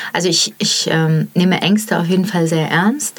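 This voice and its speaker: Her pace is fairly slow. This woman's voice is fairly low in pitch. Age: 30s. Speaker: author and former stand-up comedian. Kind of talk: casual interview.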